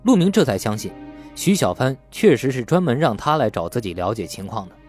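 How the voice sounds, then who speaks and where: A man's voice: medium pitch, sing-song, a little fast, a little mellow, soft background music. A man reading scripted, dramatic story narration as an audiobook narrator.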